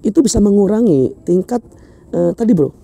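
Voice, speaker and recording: A man telling stories in a casual business chat, animated and slangy. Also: high-pitched, moderate pace, creaky. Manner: animated storytelling, slangy, with laughs. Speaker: business talk show co-host.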